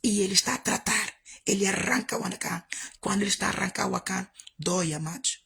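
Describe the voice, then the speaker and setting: A woman's voice: mid-range voice, fast, gravelly, a bit bright, husky. A woman pastor preaching, telling a story and repeating her points with emphasis. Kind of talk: storytelling sermon.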